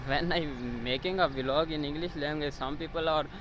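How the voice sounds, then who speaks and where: A man whose first language is Urdu talks to the camera outdoors in hesitant English, pausing often on filler sounds. His voice sits a little high. Faint traffic and outdoor noise run underneath. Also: steady tone. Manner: halting non-native English, frequent uh fillers. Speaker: vlogger. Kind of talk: casual outdoor vlog. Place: outdoors in a village near a road.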